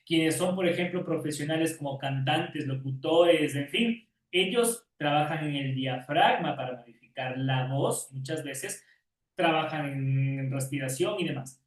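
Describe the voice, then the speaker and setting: A man's voice: on the high side, unhurried. Roomy-sounding man teaching class. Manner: frequent checking questions, calls on students by name. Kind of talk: online class lecture. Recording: roomy echo, distant from mic.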